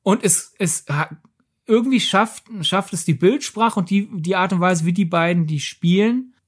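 Podcast cohost, medium pitch voice, casual movie talk, kinda rambly and analytical. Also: moderate pace. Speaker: podcast co-host reviewing films. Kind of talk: casual film discussion.

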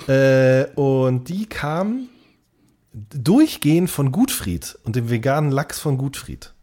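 A man's voice: medium pitch, big pitch swings, takes it slowly, warm tone. Man in casual podcast chat. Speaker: podcast co-host.

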